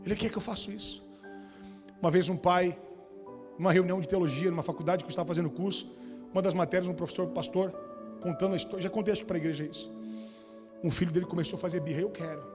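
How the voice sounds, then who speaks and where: A man preaching a sermon as pastor, moving between quiet storytelling and shouted, fervent exhortation in a church. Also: sits high, steady tone, racing, pauses often. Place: church hall. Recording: long church reverb, music behind.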